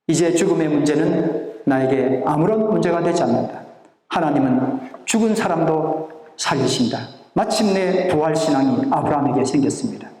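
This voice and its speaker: Male pastor, sermon, leads unison reading, higher voice, heavy echo in a big hall. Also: darkish tone, far from the mic. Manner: leads congregation in unison reading and call-and-response. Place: church sanctuary. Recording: echoey church hall.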